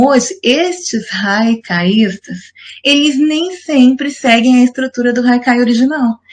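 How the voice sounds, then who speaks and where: Patient woman teacher explaining. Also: a little high. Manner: patient, explanatory, asks the class rhetorical questions. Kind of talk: recorded online lesson.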